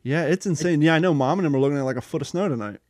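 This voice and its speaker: A man's voice: fairly high pitch, racing, a little mellow, no room sound, clean studio sound. A man hosting a casual talk show, reading news aloud in an easygoing way with fillers like "um" and "uh". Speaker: host.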